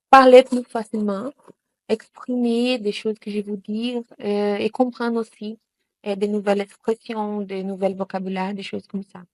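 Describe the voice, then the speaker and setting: A Brazilian woman, a native Portuguese speaker, gives a hesitant testimonial in French, with many pauses and fillers. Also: mid-range voice, dry recording. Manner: hesitant, many fillers and restarts in a second language. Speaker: student giving a testimonial. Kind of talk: spontaneous testimonial.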